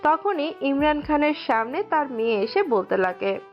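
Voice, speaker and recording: Woman telling a story audio drama, highish voice, dull lo-fi sound, faint music. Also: moderate pace. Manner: steady storytelling, occasional slips. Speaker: narrator.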